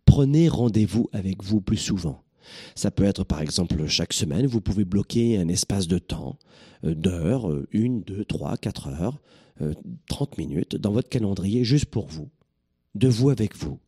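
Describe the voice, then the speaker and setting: Husky, animated motivational speaker man. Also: sits low, measured pace. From southern France. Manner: energetic, joking, teasing the listener. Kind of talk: motivational talk to an audience.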